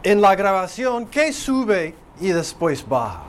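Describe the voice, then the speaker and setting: A man teaching a phonetics class, explaining slowly and thinking aloud with fillers. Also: sits high, sing-song, a little hiss or hum. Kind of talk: spoken lecture.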